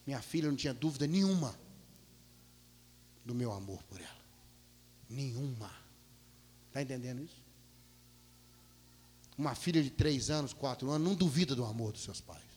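A male pastor telling a story in a sermon, animated, swinging from loud bursts to hushed low tones. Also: normal speed, long pauses, husky. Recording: long hall reverb.

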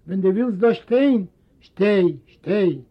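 A man's voice: high voice, lively intonation, slow pace, exaggerated voice. A man voicing a successful, self-important son who coaxes his old father and mixes in English words, a native Yiddish speaker. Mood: impatient. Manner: coaxing then impatient, mixing in English words. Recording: dull lo-fi recording.

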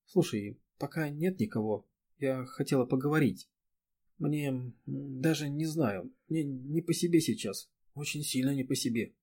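A man's voice: medium pitch, dark tone, lightly acted. A male reader voicing a distressed young woman who falters and sobs as she pleads. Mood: hesitant worry. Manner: pleading, halting, breaking into sobs. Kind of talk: audiobook character reading.

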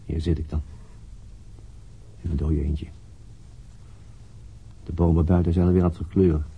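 An actor playing a brooding, dogged police detective in a radio drama, weary and musing in a halting, husky voice. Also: male voice, very deep voice, flat delivery, phone-quality sound, slight background noise. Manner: halting, musing, muttering to himself. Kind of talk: radio drama acting with introspective monologue.

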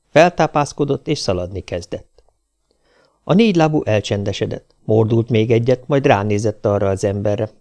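A man narrating a short story as an audiobook reader, telling it in a lively way. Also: lowish voice.

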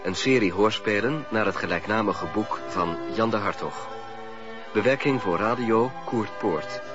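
A man's voice: on the low side, unhurried, music in the background. A man reading scripted title and cast credits as the announcer of a radio drama. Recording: dull radio recording.

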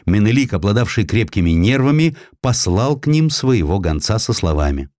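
A man reading a historical essay as an audiobook narrator, in a measured, dramatic storytelling delivery with expressive emphasis. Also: fairly low pitch, no room sound, studio quality.

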